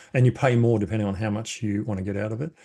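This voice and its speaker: Over a quiet background, a man with an Australian accent speaks in a dark, mellow tone. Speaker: AI trainer and business coach. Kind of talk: webinar presentation.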